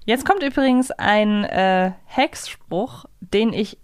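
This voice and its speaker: A woman's voice: medium pitch, slow pace, clean tone, no room sound. Woman co-hosting a podcast, dry close sound. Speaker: podcast co-host. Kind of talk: casual fan podcast chat.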